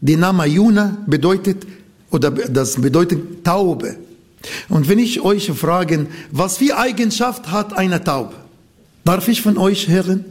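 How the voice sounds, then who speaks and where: A man preaching a sermon in halting German with an Arabic accent, pausing often as he searches for words. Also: high-pitched. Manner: slow, halting non-native German with frequent pauses.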